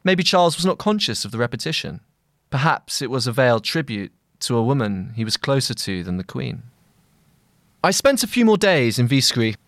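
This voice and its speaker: A man narrating a scripted long-read essay as a journalist, in measured, deliberate phrasing. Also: medium pitch, big pitch swings, fairly bright tone, no echo, clean studio sound.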